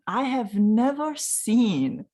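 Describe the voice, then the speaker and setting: A woman in her forties with a Czech accent, telling a personal story in a gentle, unhurried way and speaking directly to the listener. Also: fairly high pitch, very animated. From Czech Republic. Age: 40s. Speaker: spiritual channeler.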